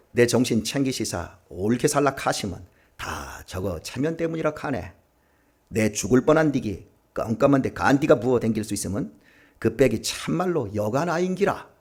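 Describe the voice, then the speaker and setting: A man preaching a Sunday sermon as pastor, reading a psalm aloud in regional dialects with lively, rising energy. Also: breathy edge. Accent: Gyeongsang Korean, put on for a reading. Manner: lively, raises pitch and volume when reading dialect. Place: church sanctuary.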